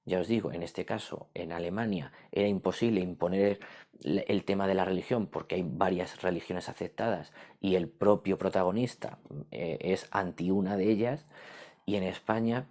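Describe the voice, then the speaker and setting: Guy teaching history, lowish warm voice, keeps saying vale, asks himself questions. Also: moderate pace. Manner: rhetorical questions with frequent "¿vale?". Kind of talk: casual explanatory lesson.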